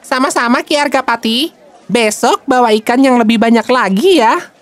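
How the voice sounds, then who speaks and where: Friendly market trader , played by a woman: jovial, chatty, high-pitched. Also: moderate pace, natural voice.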